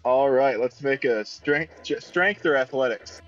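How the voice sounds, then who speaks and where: A man's voice: medium pitch, measured pace. A man playing a tabletop game, chatting casually, asking questions and reasoning aloud. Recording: slightly dull, band-limited sound.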